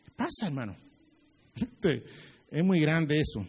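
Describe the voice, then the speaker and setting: A male pastor giving a lively sermon, acting out little scenes as he preaches. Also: a little high, unhurried, slightly rough, in a large hall.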